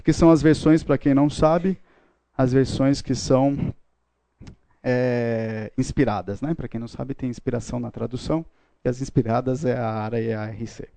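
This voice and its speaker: A man's voice: mid-range voice, fairly even intonation, moderate pace, gravelly, dark tone, dry recording. A man teaching a Bible class, joking and playful with his students. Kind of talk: classroom lecture. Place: classroom with a live audience.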